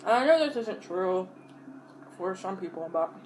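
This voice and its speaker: A woman's voice: mid-range voice, expressive, a little mellow, rough recording. Woman chatting between bites, background noise. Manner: talking between bites, pausing to chew; blunt, freely swearing. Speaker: mukbang vlogger. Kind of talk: casual rambling chat to viewers while eating.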